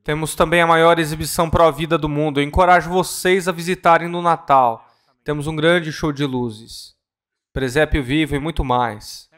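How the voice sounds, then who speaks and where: Guy interpreting a church talk, kinda high voice, earnest, steady, fixes his words as he goes. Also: moderate pace. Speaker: live interpreter at a church conference. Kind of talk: consecutive interpretation of a ministry talk. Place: church conference hall.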